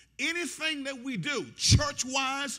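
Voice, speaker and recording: Against a quiet background, a man projects a raised, animated voice at an extremely high pitch, speaking fairly slowly. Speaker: pastor. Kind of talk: sermon. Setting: church. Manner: animated, call-and-response preaching, urging the congregation. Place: church. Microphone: lapel.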